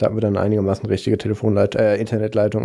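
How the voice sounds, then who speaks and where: The voice has a dark, mellow tone and moves at a very fast pace. The background is quiet. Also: man. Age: 20s. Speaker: podcast host. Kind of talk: casual chat.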